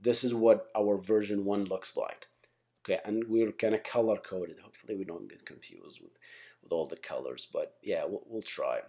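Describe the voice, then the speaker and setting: Man, low mellow voice, casual tech teacher, rambling, repeats and corrects himself. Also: moderate pace. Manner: informal, rambling, self-correcting, repeats words. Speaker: tech teacher and channel host. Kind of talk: casual whiteboard-style lesson, explaining by example.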